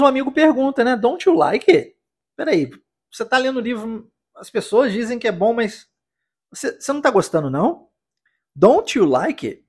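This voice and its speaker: A man teaching English pronunciation in a podcast lesson, drilling phrases slowly for the listener to repeat. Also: high voice, a little mellow. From United States.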